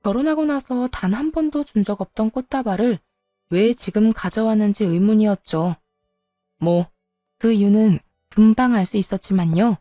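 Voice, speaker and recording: A woman's voice: mid-range voice, moderate pace, warm tone, no room sound, clean studio sound, faint music behind. Wry woman narrating a story. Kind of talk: scripted first-person story narration.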